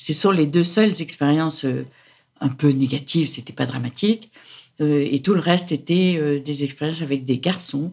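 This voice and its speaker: In a very clean recording with a silent background, a woman speaks at a moderate pace in a very deep, low pitch. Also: ordinary pitch variation. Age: 60s. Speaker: widowed retiree hosting students. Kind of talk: interview. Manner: hesitant with fillers.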